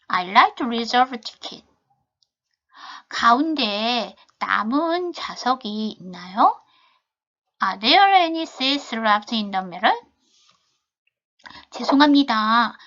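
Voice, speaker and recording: A woman teaching travel English, reading model sentences slowly and carefully, then explaining them in Korean. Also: a little high, bright, forceful tone, highs cut off. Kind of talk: video lesson on travel English.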